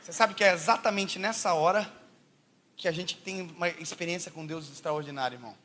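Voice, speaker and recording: A man from Brazil preaching a sermon told as a funny personal story, animated and laughing often, swinging between loud shouts and hushed asides. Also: fairly high pitch, fairly quick.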